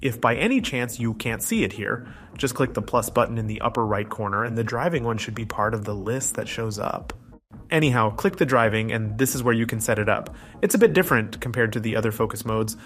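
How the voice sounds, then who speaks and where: A man with a medium-pitched voice narrates a tutorial. He explains things methodically, one step after another, as a scripted presenter would. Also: a little fast, fairly bright tone.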